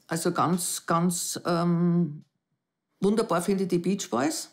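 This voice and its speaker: A widowed dating show candidate speaks slowly in a soft, gravelly, lowish voice during an emotional interview in her living room. She is hesitant and reflective, her words fading toward near whispers.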